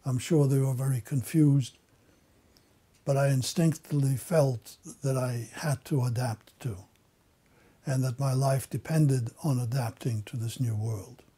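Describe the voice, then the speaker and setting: An older man whose first language is German gives measured, reflective testimony. His voice is dark and somewhat husky. He is interviewed indoors in an office. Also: medium pitch, steady tone.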